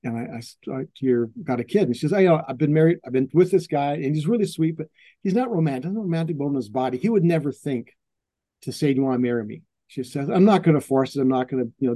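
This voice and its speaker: A man with a mellow, relaxed voice tells story after story about his photography clients, and he slips into their voices when he quotes them. He speaks casually and restarts his sentences often. The recording is dry and close, with no room sound. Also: mid-range voice, no echo. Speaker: portrait photographer telling client stories.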